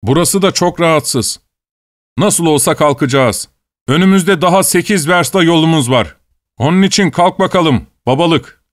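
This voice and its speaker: A man's voice: a little high, normal speed, no room sound, voice pushed up, natural voice. A man playing a blustering, irritable village watchman in a storybook reading. He barks and threatens in a raised, bossy voice, and the recording is dry. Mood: grumbling. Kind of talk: audiobook character reading.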